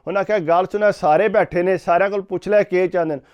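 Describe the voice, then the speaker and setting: High, fast-talking man. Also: steady tone, darkish tone, smooth. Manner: rapid retelling, every sentence framed with "he said". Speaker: vlogger retelling a story. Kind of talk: casual storytelling to camera. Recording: dull lo-fi recording.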